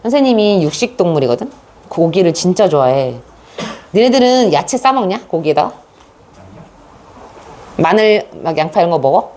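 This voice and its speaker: A woman's voice: lowish voice, sing-song, normal speed, long pauses, darkish tone, slight background noise. A woman teaching an English reading lesson in a chatty, storytelling way, with asides to her students. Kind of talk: casual classroom lecture.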